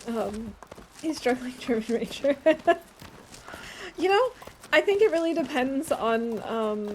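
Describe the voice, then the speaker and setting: A woman's voice: mid-range voice, a little mellow, a little hiss or hum, low-quality recording. A woman streaming a game in casual chat, answering her chat and laughing often as she talks. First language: English. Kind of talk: casual chat while playing.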